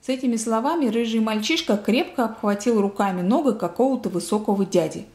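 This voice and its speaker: A woman reading a children's book aloud in a lively storytelling manner, in a roomy space. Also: a little high, fast talker. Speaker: reader. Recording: roomy echo.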